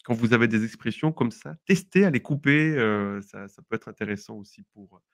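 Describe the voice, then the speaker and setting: A young man from southwest France co-hosting a casual podcast lesson, explaining expressions patiently, chatty and quick to laugh. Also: medium pitch, no room sound. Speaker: French teacher, podcast co-host.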